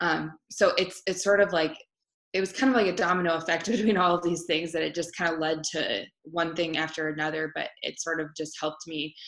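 Speaking at a fairly quick pace, a woman has an unremarkable speaking voice, a fairly low pitch and ordinary pitch variation. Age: 20s. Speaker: newspaper editor. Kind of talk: podcast interview.

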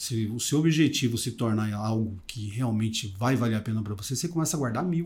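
Hardly pausing, a man talks at a fairly quick pace in a somewhat breathy voice. His pitch is medium, with ordinary variation. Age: 50s. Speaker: team coach and insurance broker. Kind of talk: interview conversation. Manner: halting, with repetitions.

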